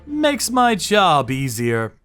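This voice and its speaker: A man narrates a dark manga dub with grim deliberation. His pace is slow and his tone bright and forceful, over soft background music. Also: on the high side, wildly swooping pitch, clean tone. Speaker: narrator and lead character, a torture sommelier. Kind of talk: scripted dramatic first-person narration for manga dub.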